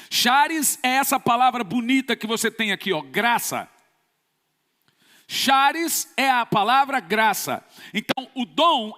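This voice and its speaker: High, forceful preaching man in reverb. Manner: emphatic, forceful preaching with sudden bursts. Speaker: pastor. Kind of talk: sermon. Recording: long church reverb.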